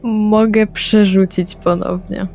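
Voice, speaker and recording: A woman's voice: medium pitch, flat delivery, takes it slowly, vocal fry, a little mellow. A woman taking part in a tabletop role-playing game as a player, stating her actions and discussing rules. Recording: background music under the voice. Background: music.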